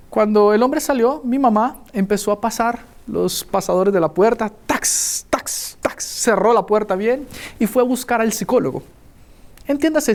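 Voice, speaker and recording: A man from Colombia preaching a sermon, telling a childhood story with lively acted-out voices. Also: high-pitched. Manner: animated storyteller acting out voices.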